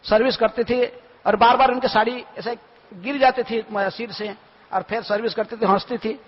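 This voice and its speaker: A man's voice: very high voice, steady tone, normal speed. Monk guy telling a temple story, asks himself questions then answers, kinda dull lo-fi sound. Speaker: monk lecturer. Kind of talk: Hindi devotional storytelling lecture. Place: temple hall. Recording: lo-fi recording with long hall reverb.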